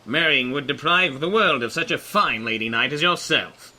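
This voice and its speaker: A man playing a chipper, courtly gentleman adventurer with polite, flowery talk in a comic fantasy audio drama. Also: a little high, moderate pace.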